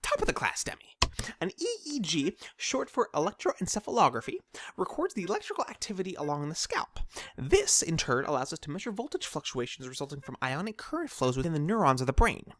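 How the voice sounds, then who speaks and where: Man playing a pompous, animated scientist, high-strung lecturer. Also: a little fast. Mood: brisk, condescending. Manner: pompous, wordy, precise lecturing. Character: pompous, excitable male scientist, fussy and condescending. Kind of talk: audio drama acting. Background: music.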